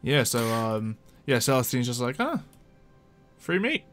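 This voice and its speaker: Guy game mastering a tabletop rpg, casual talk, average pitch, music in the back. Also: sing-song, measured pace, fairly bright tone. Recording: music behind the voice.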